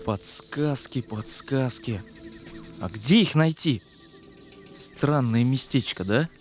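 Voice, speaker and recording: A man's voice: medium pitch, lively intonation, slow. A man voicing a brave, impulsive boy adventurer in a fairy-tale cartoon, with a bold manner. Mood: curious. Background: background music.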